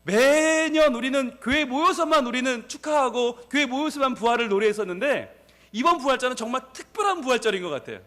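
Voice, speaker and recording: A male pastor with a Gyeongsang Korean accent, preaching an energetic sermon and leading his congregation in call-and-response. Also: extremely high pitch, brisk, long reverb tail.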